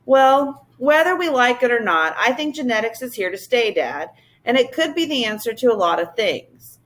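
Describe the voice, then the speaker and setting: A woman voicing a thoughtful young boy who speaks slowly and picks his words with care. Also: a little high, big pitch swings, a bit bright. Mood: earnest.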